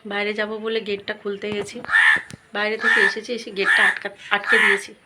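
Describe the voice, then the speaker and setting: A woman's voice: mid-range voice, flat delivery, moderate pace. A woman vlogging confessionally to her viewers, aggrieved and going back over the same points. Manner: aggrieved, repetitive. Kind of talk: confessional vlog talk to viewers. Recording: very noisy room recording.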